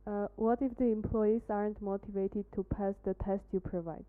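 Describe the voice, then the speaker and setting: A woman's voice: mid-range voice, steady tone, moderate pace. A woman moderating a Q&A session, plainly reading out questions to a presenter. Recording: phone-like narrow band.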